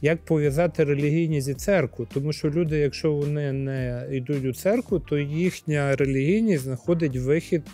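Mellow-voiced priest talking in interview. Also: male voice, on the high side, normal speed, hardly any pauses, soft background music. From Ukraine. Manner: thoughtful, hesitant fillers, lively when acting out scenes. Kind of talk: conversational interview answers. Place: library studio, then outdoor courtyard. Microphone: lapel.

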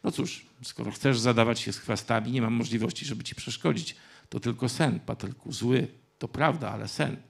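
A man reading from a novel and voicing a stern, cold elderly grandfather in a literary reading, with clipped, drawn-out words. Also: mid-range voice, gravelly, husky. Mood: quiet menace.

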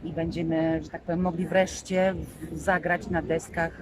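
A woman's voice: on the low side, level tone, moderate pace. A woman, a stage actress, talking casually and chattily in an interview, with frequent filler phrases. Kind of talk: casual spontaneous interview talk. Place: outdoors in a town street. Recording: noisy outdoor recording with street ambience.

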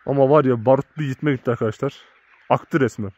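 Out in the farmyard, a man who tends sheep talks briskly to his vlog audience in a mid-range, darkish voice, and the recording is muffled. Chatty throughout, he keeps calling his viewers friends.

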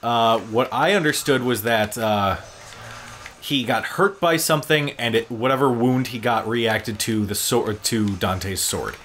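A man giving casual, explanatory gameplay commentary, haltingly, as he plays. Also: lowish voice, fairly bright tone, a little hiss or hum. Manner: explanatory, halting while playing. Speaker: gaming show co-host and player.

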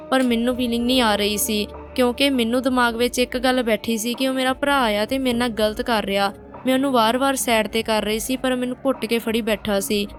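A woman narrating a painful first-person story in a plain, direct way. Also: fairly high pitch.

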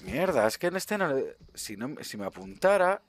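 A man's voice: on the high side, sing-song, moderate pace, vocal fry, noisy background. A man with a Spain Spanish accent giving casual gameplay commentary, swearing often and talking to viewers. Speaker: gaming streamer.

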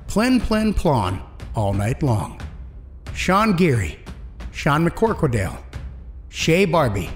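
A man hosts a podcast, reading scripted credits and thanks. His voice is fairly high and very animated in intonation, with music playing quietly behind. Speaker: podcast host and audio engineer.

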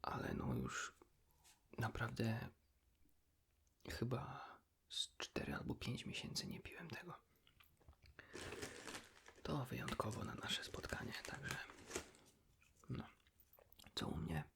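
A man chats casually in ASMR style, as if confiding in a friend. His voice is mostly whispered and very husky, breaking into a deep crackly fry. The delivery is informal storytelling with a lively rise and fall. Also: takes it slowly, long pauses. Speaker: ASMR video host.

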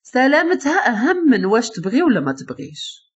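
A woman's voice: fairly high pitch, very animated, a little fast, lo-fi sound, voice pushed up. A woman with a Moroccan accent voicing a stern, protective, wealthy father who gives orders. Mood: stern, worried. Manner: commanding, worried.

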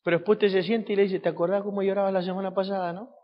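A man preaches with a high, lifted voice, firing rhetorical questions at his congregation. The sound is dull and lo-fi, with a long echo from the church hall around him. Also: flat delivery, racing. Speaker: pastor. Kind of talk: sermon.

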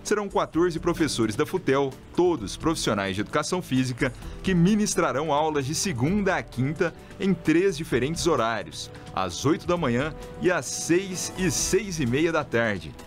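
A man's voice: on the high side, moderate pace, hardly any pauses, soft background music. Brazilian man reading radio news. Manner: steady announcer delivery.

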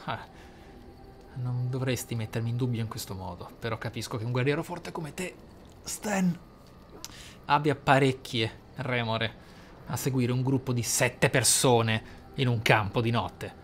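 With slight background noise and game music underneath, a man in a mid-range voice speaks a little slowly. He is hosting a role-playing let's play, reflecting aloud and dropping in theatrical remarks.

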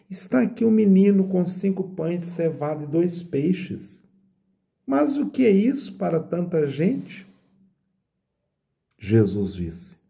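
A middle-aged priest from Brazil reads scripture and reflects on it slowly, filling his pauses with a questioning "né?". His voice is dark and gravelly, and his pitch rises and falls widely as he stresses words. He talks close to a phone in a small room indoors. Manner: slow, reflective, asks "né?" often. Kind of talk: reading and explaining scripture. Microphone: phone camera at close range.

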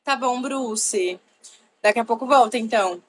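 Young woman, upbeat livestream host, bright higher voice, greets viewers by name, from her bedroom. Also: moderate pace, a little hiss or hum. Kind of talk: casual live-stream chat. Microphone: laptop.

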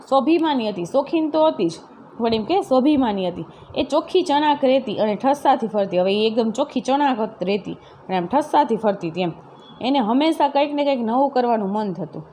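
A woman's voice: fairly high pitch, warm tone, a little hiss or hum. A woman teacher with a Gujarati accent reading a story lesson aloud and explaining each line in simple words, often checking in with a tag question. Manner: reads a line, then retells it in plain words with tag questions. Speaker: school teacher. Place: classroom-style video lecture.

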